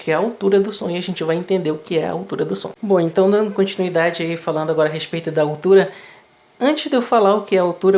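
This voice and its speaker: A man's voice: high-pitched, darkish tone, muffled recording. A man teaching physics in a video lesson, explaining step by step in a conversational way with frequent tag questions.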